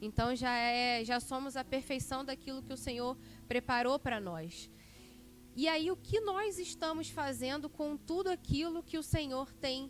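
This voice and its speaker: A high-pitched woman's voice at a moderate pace, lively in its intonation. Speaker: preacher. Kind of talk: sermon.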